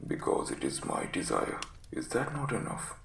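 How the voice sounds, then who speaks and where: A man voicing a gravely ill but masterful detective in a weak, breathy croak, giving clipped, imperious orders in a story reading. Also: deep voice, wildly swooping pitch, moderate pace, roomy sound, recorded from a distance, background noise, voice pushed down, full character voice. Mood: stern, exhausted. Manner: imperious, clipped commands with coughing.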